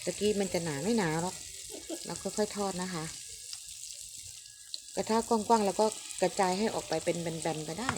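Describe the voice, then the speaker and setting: An older woman in her home kitchen chats to viewers as she demonstrates a home recipe, stopping between steps to coax a grandchild into eating. Her medium-pitched voice moves at a moderate pace with frequent pauses. Oil sizzles noisily in a pan behind her.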